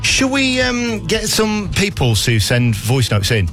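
A man's voice: high voice, huge pitch swings, unhurried, fairly bright tone, soft background music. A man co-hosting a radio show, joking and playful. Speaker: radio co-host. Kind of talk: casual radio banter.

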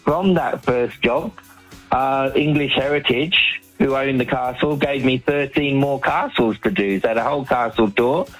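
A man's voice: medium pitch, normal speed, soft background music, low-quality recording. Chatty male storyteller calling in. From Australia. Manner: chatty, anecdotal, with frequent ums and restarts. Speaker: caller, professional storyteller. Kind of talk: telling his life story on a radio phone-in.

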